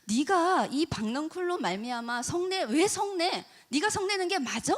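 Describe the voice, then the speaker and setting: Brief: a woman voicing a fatherly God figure, coaxing, gently scolding, lively pitch. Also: normal speed.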